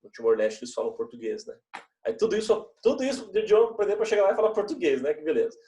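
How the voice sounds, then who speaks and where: A man's voice: high voice, very animated, racing, mellow. A young man teaching religious education, talking to his students in a loose, conversational way with frequent tag questions. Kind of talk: classroom talk to students. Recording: echoey room, mic at a distance.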